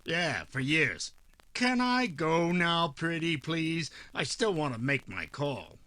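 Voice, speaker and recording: A man's voice: fairly high pitch, very animated, takes it slowly, pushed and bright, heavily acted. An actor playing a shifty, mock-innocent man in an old-time radio noir drama, flippant and protesting.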